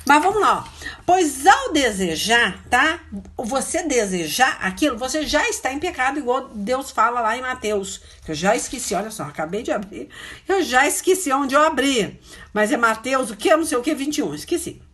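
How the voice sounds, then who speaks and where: A woman preaching an informal sermon, chatty and self-interrupting, tagging phrases with quick questions. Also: sits high, expressive, fairly bright tone. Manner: chatty, hunts for verses aloud, frequent "né?" tags. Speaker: missionary preacher.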